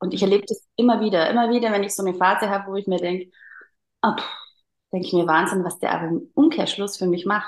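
This voice moves at a very fast pace with long, frequent pauses and ordinary pitch variation. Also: woman, medium pitch for a woman. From Bavaria, Germany. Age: 30s. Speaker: intensive care nurse and life coach. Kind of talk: casual interview.

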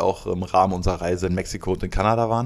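A man speaks at a moderate pace. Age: 30s. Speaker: podcast co-host. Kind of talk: casual chat. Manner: halting.

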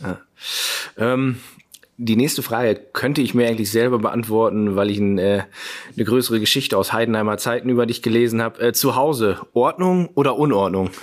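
This man has an ordinary speaking voice, medium in pitch with ordinary pitch variation, captured in a very clean recording with a silent background. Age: 30s. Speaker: podcast host. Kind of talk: interview.

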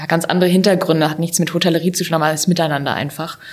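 A woman's fairly low voice stays monotone and flat while noticeable background noise hums behind her. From Bavaria, Starnberger See. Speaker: hotel professional. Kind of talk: panel discussion. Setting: hotel industry conference.

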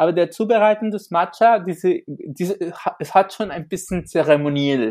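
A man with a Spanish accent, high-pitched for a man, with ordinary pitch variation, big swings in loudness and a moderate pace, on a very clean recording with a silent background. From Chile. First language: Spanish (speaking German). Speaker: tea expert. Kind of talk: casual interview. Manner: halting, many fillers.

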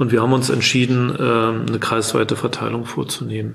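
A man with a medium pitch talks at a moderate pace while noticeable background noise continues. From Brandenburg, Lusatia. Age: 50s. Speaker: district administrator and politician. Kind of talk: interview. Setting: office. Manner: hesitant with frequent fillers; formal.

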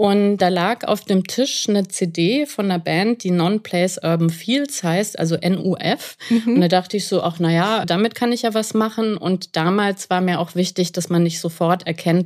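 An unremarkable speaking voice moves at a moderate pace with ordinary pitch variation. Its loudness stays very even, and there are hardly any pauses. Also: woman. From Franconia, Germany. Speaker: psychologist and author. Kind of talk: interview.

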